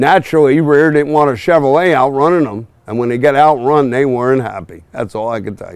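A man speaks at a fairly quick pace with ordinary pitch variation. The sound is dry with no echo, and the background is quiet. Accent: New Jersey. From New Jersey. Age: 60s. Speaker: drag racer. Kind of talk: interview. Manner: blunt, outspoken. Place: garden.

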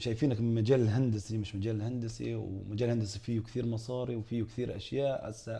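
This man's voice has a dark, mellow tone, somewhat breathy and medium in pitch. His intonation stays fairly even. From Israel. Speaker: chef; talk show guest. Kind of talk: TV interview. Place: studio. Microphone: lapel.

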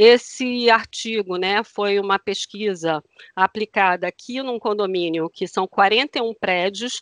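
A woman speaks at a very slow pace with ordinary pitch variation, her dry sound carrying no echo against a quiet background. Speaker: guest, lecturer. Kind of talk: interview answer. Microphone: headset.

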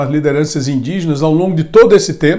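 This man talks at a fairly quick pace against a quiet background. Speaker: news commentator. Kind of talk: political commentary. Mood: critical, indignant. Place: home room. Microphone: lapel.

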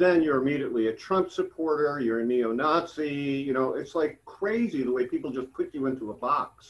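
With a New York accent, a man speaks at a moderate pace in a fairly high pitch, his intonation lively. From Long Island, New York. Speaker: guitarist and music teacher; interviewee. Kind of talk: casual interview chat. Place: home room.

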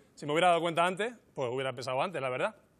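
This man speaks with a high pitch, lively intonation, and a Canarian accent. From Tenerife, Canary Islands; Canary Islands. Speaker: comedian; stand-up comedian. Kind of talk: stand-up. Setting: stage with audience. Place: studio. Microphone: handheld.

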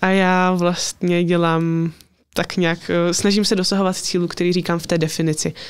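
Against a quiet background, a woman with a fairly low pitch speaks at a moderate pace in a flat, monotone way. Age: young. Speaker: MMA athlete and coach; coach. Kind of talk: casual chat. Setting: studio. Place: studio. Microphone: studio mic.

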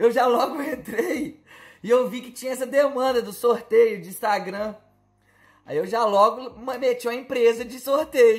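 A man with an extremely high pitch speaks at a fairly slow pace, his intonation fairly even but his loudness swinging widely, over a quiet background. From Minas Gerais, Brazil (Belo Horizonte); Minas Gerais, Brazil. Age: 20s. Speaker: young entrepreneur; podcast guest. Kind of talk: casual interview. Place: home room.

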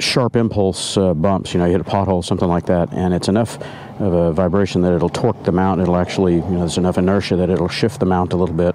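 Light noise sits in the background. The sound is dry, with no echo. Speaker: motorcycle vlogger. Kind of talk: casual vlog chat. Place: street.

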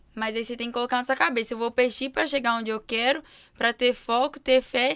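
A woman speaks very fast in a high, bright, sharp voice that is raised and projected. Her tone is animated, and the background is quiet. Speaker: social media influencer; podcast guest. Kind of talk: casual chat. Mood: earnest, motivational. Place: studio. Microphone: studio mic.

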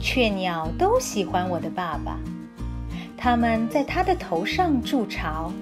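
The speaker talks at a fairly slow pace with music in the background. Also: woman. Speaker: story time host who reads books aloud in English and Mandarin. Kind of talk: children's picture book read-aloud in Mandarin Chinese. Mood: playful, expressive sound effects. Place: home room.

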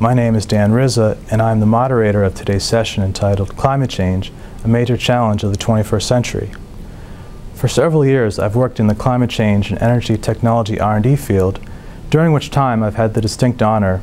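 Over light background noise, a man talks at a fairly quick pace, his intonation fairly even and his loudness very even. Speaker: program moderator. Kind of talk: formal introduction of a guest. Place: studio. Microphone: lapel.

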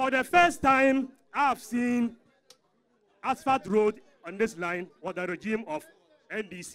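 A man with a Ghanaian accent speaks very slowly in an extremely high pitch, his intonation lively. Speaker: local resident speaking at a forum. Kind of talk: public comment at a town hall. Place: street. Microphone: handheld.

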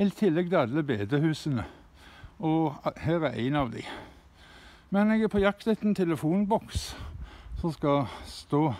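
A man with a fairly high pitch speaks at a moderate pace with very wide pitch swings, in a dry sound with no echo. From Norway, Stavanger; Norway. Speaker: video blogger; vlogger. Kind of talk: vlog narration walking around town. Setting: outdoors. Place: street. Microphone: phone near.

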